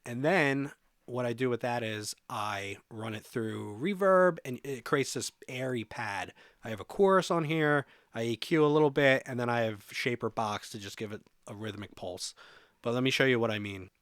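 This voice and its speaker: A man giving a casual software walkthrough as a music production tutorial presenter, thinking aloud informally as he demonstrates. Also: medium pitch, moderate pace, no room sound, clean studio sound.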